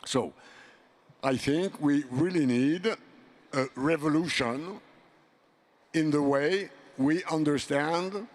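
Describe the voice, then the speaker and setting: An older man answering a question on a panel. He speaks very slowly, weighing each phrase and pausing often. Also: a little high. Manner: slow, deliberate, with long pauses. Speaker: panel speaker, commission member. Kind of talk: panel discussion remarks.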